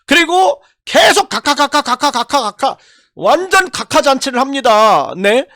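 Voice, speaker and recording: A man's voice: extremely high pitch, big pitch swings, moderate pace, pushed and bright, no echo, studio quality. An older man giving impassioned political commentary, indignant and full of rhetorical questions and repeated phrases. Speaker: YouTube commentator.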